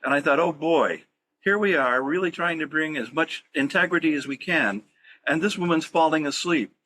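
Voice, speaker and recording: A man's voice: a little high, moderate pace, bright, forceful tone, low-quality recording. A man who acts in community radio plays, telling anecdotes in a podcast interview. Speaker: community radio play actor. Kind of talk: podcast storytelling.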